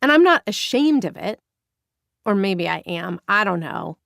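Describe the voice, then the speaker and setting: A woman's voice: mid-range voice, sing-song, a little slow, creaky, a bit bright, dry recording, studio quality, exaggerated voice. A woman reading the part of a candid, wry gay man in his thirties, speaking earnestly with light teasing.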